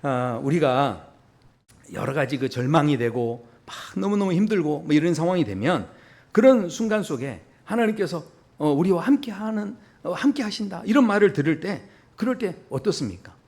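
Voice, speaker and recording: Lively, husky-voiced male pastor preaching. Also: on the high side, normal speed. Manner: animated, questioning the congregation directly. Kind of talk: sermon.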